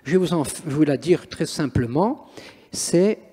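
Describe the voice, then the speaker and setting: This priest and exorcist's voice is a little high, expressive and warm, with a breathy edge and a moderate pace. In an interview he tells stories with theatrical emphasis, and a long reverberant echo fills the room.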